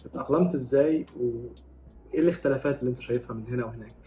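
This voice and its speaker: A male podcast host, talking quickly in a casual interview. He drifts between English and as he asks. A faint hiss sits under the voice. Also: medium pitch, warm tone. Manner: switches between English and Egyptian Arabic mid-interview.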